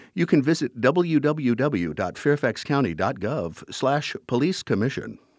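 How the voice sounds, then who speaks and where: A man speaks at a medium pitch with vocal fry. The recording is very clean, with a silent background. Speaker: podcast announcer. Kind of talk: formal news-style reading of meeting highlights, scripted. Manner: formal; measured, even-paced, neutral delivery.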